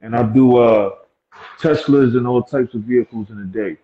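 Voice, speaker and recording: A man's voice: medium pitch, normal speed. Laid-back man on a dull phone call. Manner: laid-back, tacks "man" onto every line. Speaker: livestream guest caller. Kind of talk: casual chat. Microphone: phone in a video call. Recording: dull lo-fi phone audio with faint noise.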